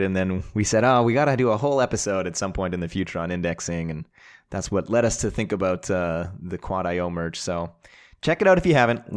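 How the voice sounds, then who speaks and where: Chatty lower-pitched male podcast host. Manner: chatty and enthusiastic, many fillers. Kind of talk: casual podcast chat.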